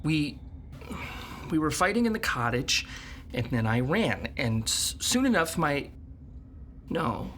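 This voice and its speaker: A woman voicing a young boy who is guilt-ridden and confused, talking in halting, stammering bursts. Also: rumbling low, a bit bright, slight background noise, full character voice.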